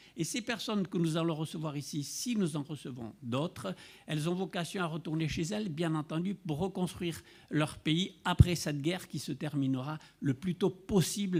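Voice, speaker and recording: A man speaks at a moderate pace in a fairly high pitch with ordinary pitch variation. The recording is very clean with a silent background. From French Algeria. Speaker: municipal councillor. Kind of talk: council floor speech. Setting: municipal council chamber. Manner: halting, many hesitations.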